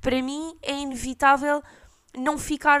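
A woman's high voice in a European Portuguese accent, fairly slow and fairly even in intonation, with a dry, close sound, no echo, and a very clean recording with a silent background. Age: 20s. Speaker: podcaster. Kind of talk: casual monologue. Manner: rambling with fillers.

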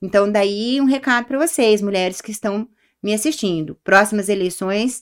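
In a very clean recording with a silent background, a woman uses a plain, everyday voice at a fairly high pitch with ordinary pitch variation. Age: 40s. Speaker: psychologist. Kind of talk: interview conversation.

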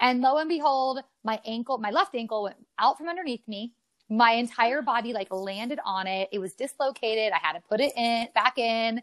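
A woman with a fairly high pitch talks at a fairly quick pace in an animated tone, her intonation lively and the sound dry and close with no echo. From Colorado, US. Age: 30s. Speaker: podcast guest, home business owner. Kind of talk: casual chat.

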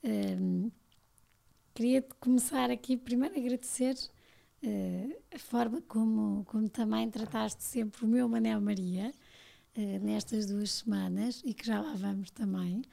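Leaving long, frequent pauses, a woman speaks fairly slowly. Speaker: podcast host. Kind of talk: interview conversation.

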